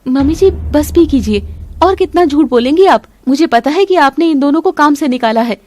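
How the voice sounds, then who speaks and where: A young daughter-in-law speaks earnestly and politely in a high, animated voice, voiced by a woman. She is a patient but firm young wife in a storybook cartoon. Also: moderate pace, a little hiss or hum. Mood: upset.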